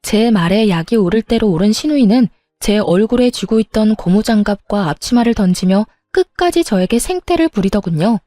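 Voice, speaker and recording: A woman tells her own story in a scripted narration, wry and matter-of-fact. Her voice is mellow and dark-toned, recorded dry and close. Faint music plays behind her. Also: mid-range voice, expressive, normal speed, hardly any pauses, no room sound.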